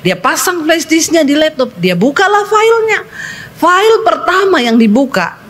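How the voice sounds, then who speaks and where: A middle-aged woman pastor, preaching a sermon and telling a story, acting out the voices in it. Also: moderate pace. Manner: lively storytelling, acting out dialogue with pitch jumps.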